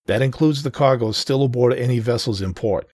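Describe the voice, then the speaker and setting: A man voicing a formal, evasive male federal agent who gives a measured briefing, in an audiobook reading. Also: mid-range voice, a little mellow, dry recording, studio quality, pitched above the performer's own voice, natural voice.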